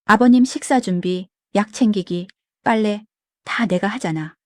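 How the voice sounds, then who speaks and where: A woman's voice: medium pitch, measured pace, a little mellow, dry recording, studio quality, natural voice. A woman voicing an exhausted young wife who pleads and complains about her caregiving load, in a story read aloud. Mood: tired.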